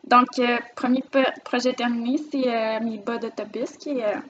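A woman's voice: a little high, fairly even intonation, normal speed, highs cut off, a little hiss or hum. Chatty Québécois woman knitting vlogger. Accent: Quebec French. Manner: chatty, rambling, warm about her projects. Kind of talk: casual show-and-tell vlog. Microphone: camera mic, filming herself.

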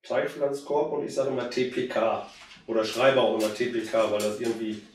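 A hoarse German man in his fifties, a bonsai hobbyist with a cold, chats relaxedly to viewers while working on a plant, giving casual how-to commentary. His voice is medium-pitched and fairly quick. He's off-mic in a very echoey indoor room with a curtain backdrop, with a little hiss or hum.

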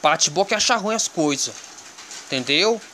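Person scolding someone over and over, bright sharp voice, faint hiss behind. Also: mid-range voice, animated, moderate pace. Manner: repetitive scolding, tags lines with "viu?" and "entendeu?"; stern, threatening lecture. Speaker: channel host. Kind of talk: scolding monologue to an imagined listener.

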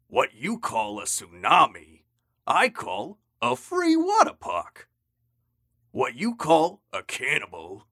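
Man as slick huckster with wildly swinging pitch. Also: sharp tone, breathy edge, dry recording, studio quality, exaggerated voice. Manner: salesman-like, emphatic. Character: slick, brazen male marketing huckster. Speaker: voice actor. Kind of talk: comic character monologue in a demo reel.

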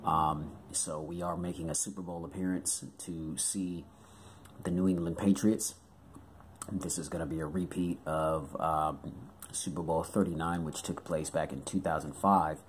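Hoarse American guy with a very deep voice, casual fillers, light background noise. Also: fairly even intonation, unhurried. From United States. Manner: chatty with many fillers. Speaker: tech reviewer. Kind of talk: casual product review.

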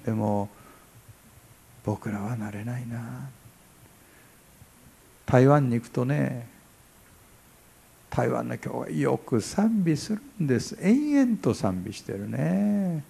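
Gravelly-voiced Japanese pastor preaching. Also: male voice, medium pitch, very animated, takes it slowly, pauses often. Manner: chatty and humorous, acts out dialogues, shifts from quiet to loud. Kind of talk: sermon.

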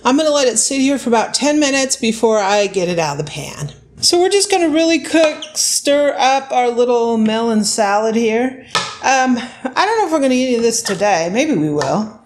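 A woman's voice: on the high side, big pitch swings, normal speed. A woman casually narrating her home cooking in a chatty, unscripted way, thinking aloud as she goes. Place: home kitchen, indoors.

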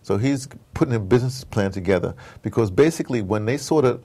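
Male interviewee, gravelly edge, conversational but emphatic, digressive, repeats himself for weight. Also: medium pitch, animated, fast talker, mellow. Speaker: interviewee, audio drama producer.

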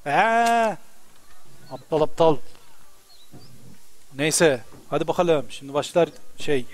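A young man giving casual, excitable gameplay commentary, swearing and talking to the game as he plays. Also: a little high, slow. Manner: excitable, swearing, talks to the game and his horse. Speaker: gameplay streamer. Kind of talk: casual let's-play commentary.

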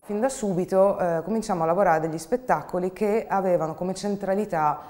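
A woman. She talks in a measured, reflective way, as an actress being interviewed about her work, stopping now and then to find words. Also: on the low side, warm tone. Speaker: actress and theatre group co-founder. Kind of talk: interview monologue about own artistic work. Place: dark indoor studio, seated.

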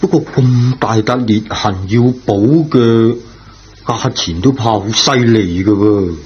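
A folksy school caretaker. He is exclamatory and good-natured, quick to scold, in radio drama style on a dull recording. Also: lowish voice, breathy edge, faint music behind, heavily acted. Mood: concerned. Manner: colloquial, exclamatory. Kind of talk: Cantonese radio drama acting.

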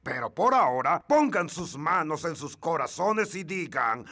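A man's voice: a little high, sing-song, a little slow, heavy background noise. A man with a Latin American accent voicing a bossy, theatrical pirate elf captain in a cartoon. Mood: commanding. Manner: commanding, theatrical. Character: bossy, blustering red-bearded male pirate elf captain.

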